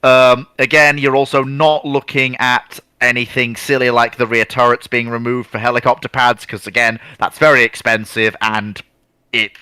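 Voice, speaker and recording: A man with a bright, crisp-edged voice, recorded very dry and close. He explains informally as a discussion panellist, using colloquial turns and stacking one point on another. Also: medium pitch, flat delivery, moderate pace, dry recording. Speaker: naval history discussion panellist.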